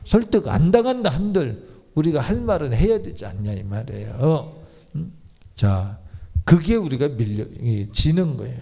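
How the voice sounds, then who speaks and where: A man's voice: medium pitch, very animated, moderate pace, gravelly, mellow. A Korean pastor preaching an emphatic sermon in a church, often switching to blunt informal talk to address the congregation. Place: church sanctuary.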